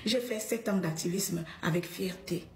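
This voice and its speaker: A woman's voice: lowish voice, moderate pace, gravelly, a little mellow, reverberant. Defiant woman with a Cameroonian accent. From Gabon. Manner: blunt, defiant, scolding. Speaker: activist addressing followers in a live stream. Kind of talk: live stream monologue.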